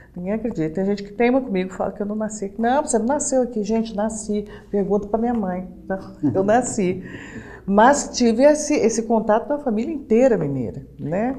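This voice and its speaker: Fairly quick delivery with ordinary pitch variation over noticeable background noise. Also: woman, fairly high pitch for a woman. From São Paulo, Brazil, Minas Gerais family. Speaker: poet, author. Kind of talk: interview. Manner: halting, repeats words.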